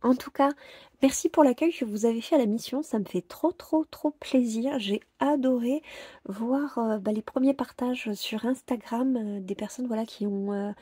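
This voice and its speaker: A woman's voice: a little high, normal speed, mellow, breathy edge, dry recording. A woman chatting casually about her coloring plans, hesitant, with many fillers and repeated words. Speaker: coloring vlogger.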